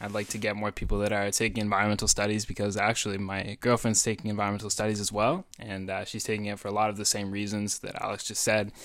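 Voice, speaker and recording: A man with a Canadian accent, fairly low pitch, monotone, flat intonation, a very fast pace, and hardly any pauses. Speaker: podcast host and English teacher. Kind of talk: interview for English learners. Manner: clear, fairly formal.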